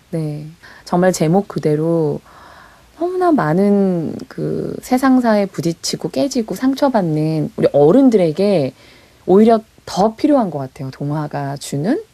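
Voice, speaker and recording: A woman who hosts a radio program reading fairy tales to adults, answering interview questions in a soft, reflective, unhurried way. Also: deep voice, gravelly, dry recording.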